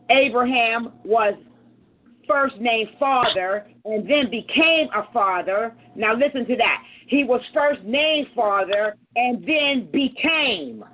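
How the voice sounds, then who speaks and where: A woman with an African American accent preaching a fervent call-and-response sermon, emphatic and repetitive, with punctuating exclamations. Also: a little high. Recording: tinny phone-like sound.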